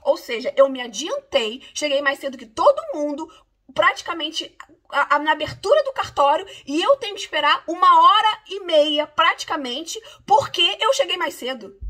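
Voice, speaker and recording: Indignant Brazilian woman, high bright voice. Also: very animated, moderate pace. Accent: Brazilian Portuguese. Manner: indignant, emphatic. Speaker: immigration lawyer. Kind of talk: casual first-person account.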